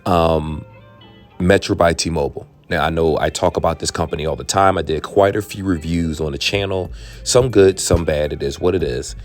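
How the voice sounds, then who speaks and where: Man, hoarse, very deep, casual tech-channel host, frank asides. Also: moderate pace, soft background music. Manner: chatty, frank, drifts into asides. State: hoarse, voice worn out. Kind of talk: casual explainer talking to viewers.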